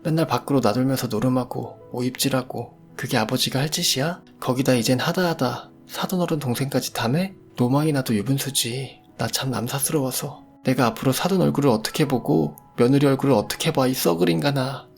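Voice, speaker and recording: A man voicing a bitter, fed-up older mother-in-law in a storytelling radio drama, his voice raised higher for her. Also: fairly quick, faint music behind, lightly acted. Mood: accusing. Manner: accusing, then tearful and resigned.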